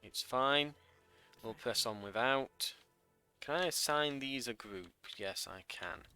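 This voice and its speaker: A man's voice: medium pitch, slow pace, sharp tone, smooth, soft background music. A man giving casual let's play commentary, thinking aloud in a wry way.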